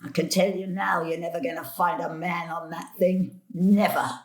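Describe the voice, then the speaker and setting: A woman's voice: on the low side, fairly even intonation, moderate pace, lightly acted. A woman acting a muddled, cantankerous old grandmother in a stage drama, querulous, blunt and indignant. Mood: blunt, scornful. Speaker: stage actor. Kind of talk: dramatic dialogue in a play.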